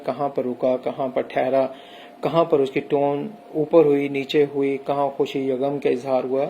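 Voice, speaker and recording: A man's voice: mid-range voice, dark tone, a little hiss or hum, low-quality recording. A man teaching an English grammar lesson, explaining step by step and reading out English example sentences. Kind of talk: recorded classroom lecture.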